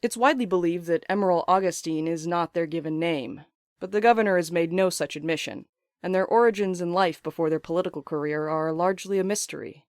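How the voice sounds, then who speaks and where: A woman acting in an audio drama as a wry, articulate character, speaking in a dry, measured way. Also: lowish voice, darkish tone, dry recording, natural voice. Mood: confiding, uneasy. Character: wry, blunt postal worker, also a reflective letter-writing ghostwriter. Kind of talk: audio drama dialogue and monologue.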